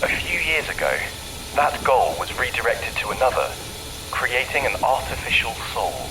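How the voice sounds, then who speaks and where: Solemn scientist on a noisy recording. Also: male voice, mid-range voice, big pitch swings, normal speed. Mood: desperate. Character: grave, remorseful male scientist, desperate father. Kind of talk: audio drama monologue. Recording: clearly noisy recorded message.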